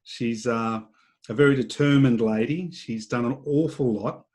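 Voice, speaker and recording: A man's voice: mid-range voice, a little slow, darkish tone. A man hosting an interview podcast, asking questions in a friendly, easygoing way. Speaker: podcast host.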